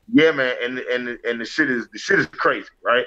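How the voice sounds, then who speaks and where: A man talks at a moderate pace. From US South, New Orleans, Louisiana. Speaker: podcast host. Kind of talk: casual chat. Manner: animated, halting with fillers.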